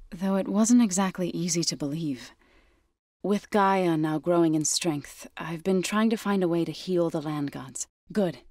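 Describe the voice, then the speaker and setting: Zo, earnest low-voiced tribal warrior played by an actress. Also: female voice, darkish tone, dry recording, studio quality, close to an everyday voice. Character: earnest, gentle, resolute tribal warrior woman. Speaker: video game voice actor. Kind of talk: scripted game character dialogue. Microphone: close studio microphone.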